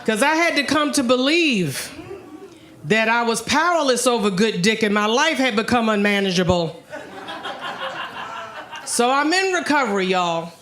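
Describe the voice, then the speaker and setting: A woman in her sixties from Virginia doing a bold, confessional stand-up set in a comedy club, dropping to a hush for her asides. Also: a little high, lively intonation, a little slow, long pauses. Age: 60s.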